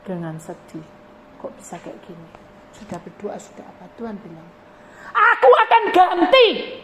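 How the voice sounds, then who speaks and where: A woman pastor, telling a testimony in her sermon and acting out the voices of the people in it. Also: lowish voice. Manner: animated storytelling, acting out voices in dialogue. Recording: noisy live recording.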